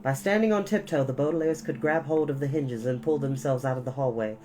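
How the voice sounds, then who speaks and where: A woman reading a children's novel aloud as a storyteller, in a deliberate, dramatic, expressive style. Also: rumbling low, poor audio.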